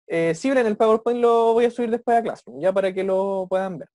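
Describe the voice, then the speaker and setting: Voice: mid-range voice, a little mellow, no room sound. Teacher checking "¿cierto?" constantly. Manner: tags nearly every phrase with "cierto?" or "ya?"; slows down to model English phrases. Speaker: English teacher. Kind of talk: online class lesson. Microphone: video call.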